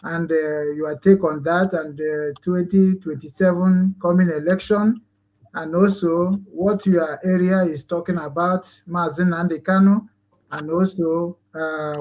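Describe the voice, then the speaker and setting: A man's voice: on the high side, a little mellow. A man with a Nigerian Igbo accent, a native Igbo speaker, hosting an online talk show in a rambling, earnest way with many fillers and restarts. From Nigeria, Igbo land. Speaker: host.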